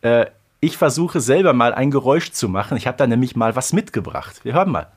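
A man's voice: mid-range voice, brisk, noisy background. Easygoing man podcast co-host. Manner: relaxed, tags on "ne?". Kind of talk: casual chat.

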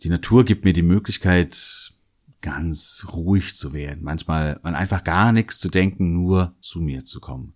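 Deep-voiced German man musing aloud. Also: normal speed. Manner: thoughtful, musing, hedges and repeats words. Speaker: podcast host. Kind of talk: reflective solo podcast monologue.

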